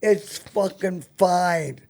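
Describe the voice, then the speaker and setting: A man's voice: high-pitched, drawn-out words, vocal fry, a little mellow. An older man hosting a casual talk show, telling stories and bantering in a blunt, profane way. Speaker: show host.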